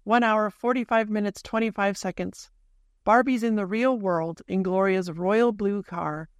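A host analyzing a film in deliberate video essay narration, then chatting casually with a guest. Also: mid-range voice, no room sound, studio quality. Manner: deliberate, analytical, reads out timestamps.

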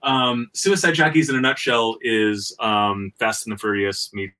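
Bright, tired man with a lowish voice. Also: fairly even intonation. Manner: halting, self-deprecating. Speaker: podcast co-host. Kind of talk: casual chat. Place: video call.

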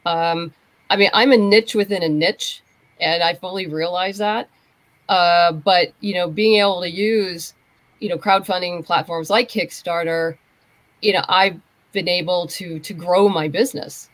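A woman speaking as a podcast guest, explaining things casually in a measured way. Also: lowish voice, steady tone. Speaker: podcast guest, comics creator. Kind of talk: casual conversation about crowdfunding.

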